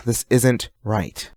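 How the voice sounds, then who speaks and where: A man's voice: on the low side, darkish tone, no room sound, clean studio sound. A man playing an uneasy, outspoken and principled young superhero in an amateur audio drama. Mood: troubled, insistent.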